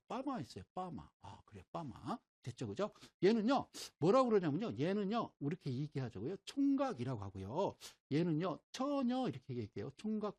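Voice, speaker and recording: A man's voice: fairly high pitch, darkish tone, breathy edge. A middle-aged man lectures informally on investing, leaning on everyday examples as he sketches on a board. His voice moves up and down with plenty of life. He keeps stopping to ask whether his listeners are following. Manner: folksy, keeps asking "right?" to check the audience follows; explains with everyday homespun examples while drawing. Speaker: stock market lecturer.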